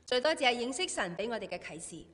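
A woman's voice: a little high, sing-song, quick pace, a bit bright. A woman with a Cantonese accent who interprets a sermon phrase by phrase, right after the preacher. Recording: long reverb of a church hall.

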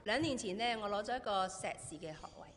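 A woman's voice: mid-range voice, lively intonation, fast, fairly bright tone. A woman with a Cantonese accent who interprets a sermon phrase by phrase, right after the preacher. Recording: long reverb of a church hall.

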